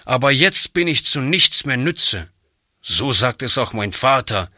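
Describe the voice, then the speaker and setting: A man's voice: medium pitch, sing-song, a little slow, pushed and bright, no room sound, clean studio sound, heavily acted. A man reading a storybook aloud, voicing a surly, defiant one-legged boy who grumbles bitterly. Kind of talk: audiobook reading.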